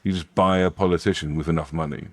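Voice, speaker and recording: A British man, an English teacher, discussing current affairs casually in a measured, explanatory way with careful phrasing. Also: deep voice, fairly even intonation. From Britain. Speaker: English teacher and conversation co-host.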